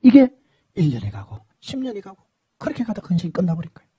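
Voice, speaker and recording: A man preaching a dramatic testimony, swinging between shouting and hushed speech. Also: high-pitched, wildly swooping pitch, fast, slightly rough. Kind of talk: emotional sermon testimony.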